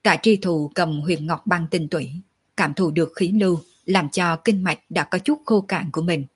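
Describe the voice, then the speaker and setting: A woman hosting an audiobook channel, reading a serialized novel aloud with steady narration. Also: fairly low pitch, normal speed, slightly rough.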